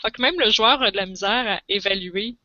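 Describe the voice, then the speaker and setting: A woman with a Quebec French accent chatting quickly and animatedly on a podcast. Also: mid-range voice, bright, forceful tone, no room sound, lo-fi sound. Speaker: podcast co-host. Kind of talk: casual chat.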